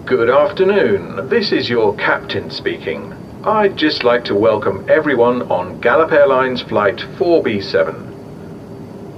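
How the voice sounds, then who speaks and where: A composed airline captain , voiced by a man, speaks in a calm, measured way with a lively, rising-and-falling pitch. The sound is muffled, with a steady rumble clearly heard behind him. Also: close to an everyday voice. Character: male airline captain addressing passengers. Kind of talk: scripted English-lesson dialogue.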